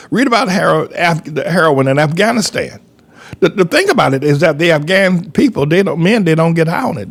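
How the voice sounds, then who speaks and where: An older man preaches in a fairly high voice that swings widely up and down. He hammers his points home by repeating them, in a folksy and emphatic style. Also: creaky. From North Carolina, USA. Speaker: pastor. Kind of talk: preaching commentary monologue.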